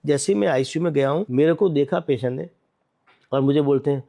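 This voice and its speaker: Gravelly man telling a hospital story. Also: on the high side, brisk. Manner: animated storyteller, mixes English into his speech, acts out dialogue. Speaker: doctor, interview guest. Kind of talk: storytelling in an interview.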